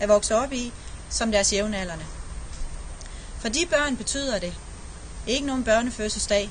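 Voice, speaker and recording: A woman speaks with ordinary pitch variation. Her voice carries audible room echo amid noticeable background noise. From western Jutland, Denmark. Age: 30s. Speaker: parliamentary candidate. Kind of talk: campaign speech. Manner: formal.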